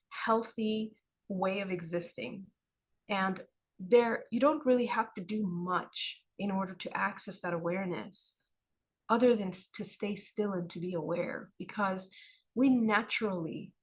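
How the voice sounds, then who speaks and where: Woman, spiritual teacher on a live stream; hoarse and husky, mid-pitched, unhurried, repeats phrases. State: hoarse, losing her voice. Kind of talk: livestream spiritual talk.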